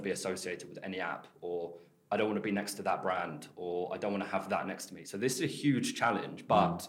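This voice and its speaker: A British accent at a very fast pace. Room echo is audible. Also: man. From UK. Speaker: startup founder. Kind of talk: interview.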